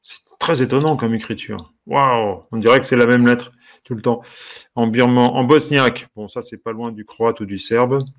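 A man who teaches harmonica talks his way through what he is browsing in a relaxed, casual commentary. He sounds curious and amused, musing aloud and breaking off with soft exclamations, his voice sitting at an ordinary middle pitch. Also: moderate pace.

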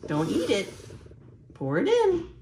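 A woman's voice: fairly high pitch, wildly swooping pitch, slow. A woman in her thirties cooking at home with her toddler, talking in patient, sing-song coaxing phrases. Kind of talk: casual kitchen chat with a toddler. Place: home kitchen, indoors. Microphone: camera on the kitchen counter. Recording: roomy kitchen echo with clear background noise.

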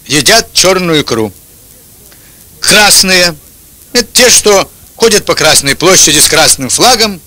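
An older man tells short jokes one after another. His voice sits a little high and is strikingly bright and tense. The sound is dry and close to the microphone. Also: dry recording, rough recording. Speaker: joke teller. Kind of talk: telling short jokes and anecdotes. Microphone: handheld-type microphone held close, headphones on.

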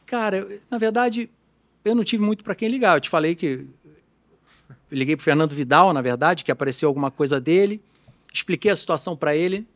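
A man talks as a podcast guest in a somewhat high register. He is animated and talkative, often breaking off and restarting his sentences. He speaks as an easygoing, expert shop owner. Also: fairly quick. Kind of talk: casual podcast conversation.

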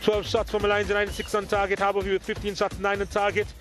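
A man with a fairly high voice calls football highlights in a lively, emphatic way. His voice-over runs over clear background music. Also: quick pace. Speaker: highlights commentator. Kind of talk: sports highlights commentary.

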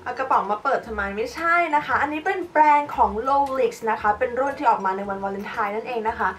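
A woman's voice: on the high side, fast talker, a bit bright. A young woman chatting casually as a beauty vlogger while she demonstrates makeup products. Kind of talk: casual makeup tutorial chat. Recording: voice a bit far from the mic, light background music.

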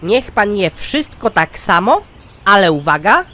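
Guy doing a droll old cartoon grandpa, grumpy, drags out the punchline, pitch goes up and down a lot. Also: sing-song, measured pace, bright, forceful tone, exaggerated voice. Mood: boastful. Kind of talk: cartoon comedy skit acting.

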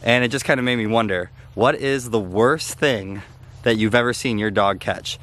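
A man's voice: mid-range voice, normal speed, fairly bright tone. A young man filming himself at arm's length outdoors, chatting casually and explaining step by step. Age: young adult. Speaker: homestead vlogger. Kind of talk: casual talk to camera. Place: outdoors in a snowy yard, partly in a house. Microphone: handheld camera at arm's length.

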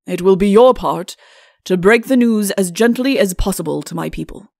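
A woman's voice: medium pitch, normal speed, creaky, a little mellow, no room sound, studio quality. A woman voicing a pompous, short-tempered, imperious king in a storybook reading. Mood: pompous dictating. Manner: imperious, stern, grandiose.

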